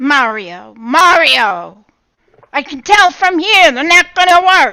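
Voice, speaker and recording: In a put-on character voice, a woman speaks high with very wide pitch swings. Her pace is very slow, and her loudness swings widely. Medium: stage play. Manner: smug, condescending.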